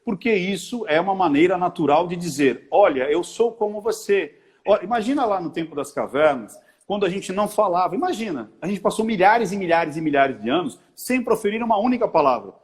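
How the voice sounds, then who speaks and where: Lively Brazilian man explaining. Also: high-pitched, quick pace, hardly any pauses. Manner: animated, acts out little quoted dialogues. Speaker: body-language expert. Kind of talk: conversational explanation in an interview.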